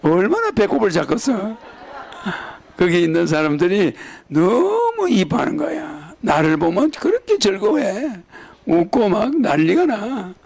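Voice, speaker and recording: High, gravelly older preacher with a Gyeongsang accent. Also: male voice, big pitch swings, measured pace, darkish tone. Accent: Gyeongsang Korean. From Gyeongsang region, South Korea. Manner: rambling, keeps checking with rhetorical tag questions. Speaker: religious leader. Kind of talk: sermon.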